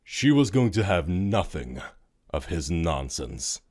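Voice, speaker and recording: A man narrating a scripted audio drama story in a dramatic, expressive storytelling manner. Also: low voice, slow pace. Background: music.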